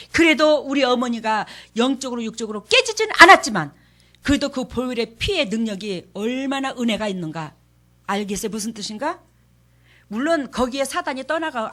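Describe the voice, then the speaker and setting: A woman's voice: mid-range voice, a bit bright. A middle-aged woman preaching a sermon, telling a family story and then pressing her points with emphatic questions to the congregation. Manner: storytelling, rising to emphatic exhortation.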